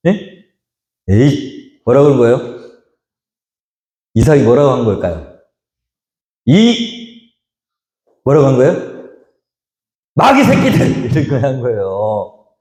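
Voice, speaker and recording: A man's voice: medium pitch, moderate pace, long pauses. A male pastor preaching a sermon who keeps firing questions at his congregation. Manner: animated, quizzes the congregation with questions. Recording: echoey church hall reverb.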